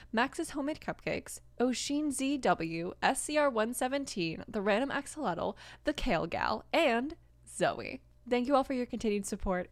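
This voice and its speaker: A woman in her twenties, an audio creator giving an upbeat outro with thanks and shout-outs to listeners. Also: mid-range voice, no echo. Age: 20s.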